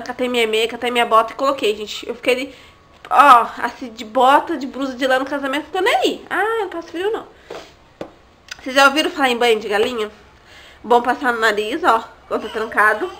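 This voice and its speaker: Chatty high-voiced woman vlogging. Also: quick pace, a bit bright, slight background noise. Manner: chatty, asides to viewers, frequent tag questions. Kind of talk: casual chat to camera.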